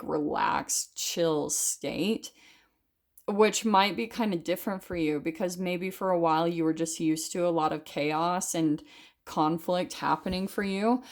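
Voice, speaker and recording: A woman giving a casual tarot reading straight to her viewers. She talks loosely, with plenty of fillers and the odd casual swear. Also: fairly low pitch. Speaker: tarot reader.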